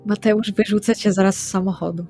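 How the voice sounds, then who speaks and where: A woman's voice: mid-range voice, steady tone, brisk, warm tone. A woman playing a tabletop role-playing game, improvising lines and narrating in a casual, matter-of-fact way. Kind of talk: improvised in-character chat and narration. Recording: music under the voice. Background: background music.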